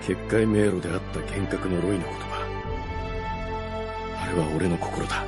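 An actor playing a gruff, proud undead warrior and brooding older brother in a Japanese radio drama. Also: male voice, low-pitched, fairly even intonation, moderate pace, over music, natural voice. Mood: anguished brooding. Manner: brooding, rough-spoken, heartfelt.

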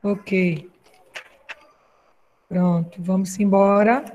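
A woman teacher leading an online class over a video call, taking roll and slowly modelling English phrases for children to repeat. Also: medium pitch, fairly even intonation, dark tone, in a large hall. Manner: slow, carefully enunciated English for repetition.

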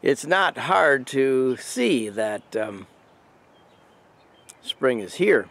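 A man in his sixties from Michigan, chatting in a relaxed, gentle way with pauses and fillers as he vlogs outdoors. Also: medium pitch, creaky. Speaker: nature vlogger. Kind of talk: casual outdoor vlog narration. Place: outdoors in a park, later indoors at home.

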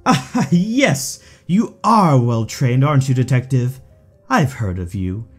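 A man's voice: medium pitch, big pitch swings, slow, breathy edge, faint music behind, exaggerated voice. A man playing a suave, theatrical villain in an audio drama, taunting his rival with mock affection. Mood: mock-tender. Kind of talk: fan audio drama acting.

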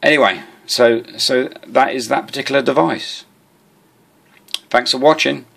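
A man's voice: medium pitch, measured pace, vocal fry, fairly bright tone, breathy edge. A man hosting a casual, off-the-cuff gadget demonstration, rambling and hesitant, often repeating his words, recorded on a handheld camera at a desk indoors. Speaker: video host, amateur radio hobbyist. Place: small indoor room at a desk. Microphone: handheld camera or phone.

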